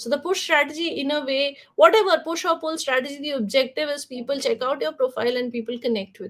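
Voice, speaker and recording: A high-pitched woman with an Indian accent at a very fast pace, with hardly any pauses. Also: ordinary pitch variation. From northern India. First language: Hindi. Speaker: LinkedIn coach. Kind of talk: webinar talk. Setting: video call.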